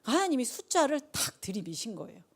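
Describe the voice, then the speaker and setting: A middle-aged woman preaches in a relaxed, conversational way, her fairly high voice swooping up and down as she tells the story. She keeps the sermon informal and full of animated asides. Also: fairly quick, slightly rough.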